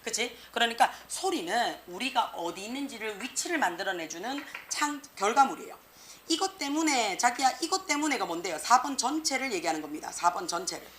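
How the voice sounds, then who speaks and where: A woman English teacher giving an exam prep lecture, lively and slangy, peppering students with rhetorical questions. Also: a little high, fairly quick, slight background noise. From South Korea.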